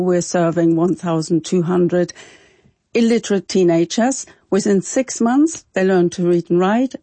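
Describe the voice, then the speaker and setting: A woman, co-founder of an education project, explaining its work clearly in a radio studio interview. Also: fairly low pitch, dark tone, no room sound.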